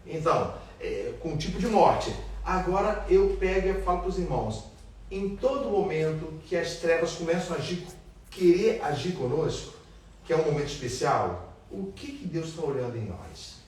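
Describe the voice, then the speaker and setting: Man teaching Bible study, lively pitch, echoey room from far off with faint noise. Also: normal speed. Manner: animated, questions the class.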